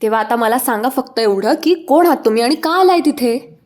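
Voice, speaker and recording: A woman's voice: on the high side, lively intonation, brisk, natural voice. A woman doing an angry young boss. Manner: shouting, curt, mixes in English phrases. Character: angry young male boss, sharp and suspicious.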